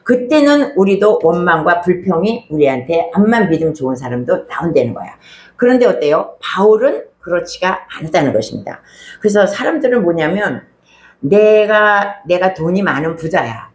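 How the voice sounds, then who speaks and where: A woman's voice: fairly low pitch, big pitch swings, a little fast, a little mellow, a little hiss or hum. Woman preaching in an echoey hall. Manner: conversational preaching, emphatic repetition, rhetorical questions. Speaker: pastor. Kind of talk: sermon.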